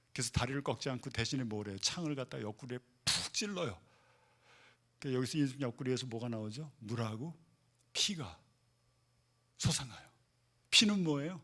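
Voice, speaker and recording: A man pastor preaches with a bright, forceful voice pitched a little high. He asks the congregation one question after another, then drops to a hushed near-whisper before surging loud again. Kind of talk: sermon.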